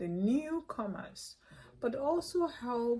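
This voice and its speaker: Over noticeable background noise, a woman with a strong Nigerian accent speaks at a high pitch with very wide pitch swings. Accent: thick Nigerian English. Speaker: immigrant vlogger. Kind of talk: casual talk to camera.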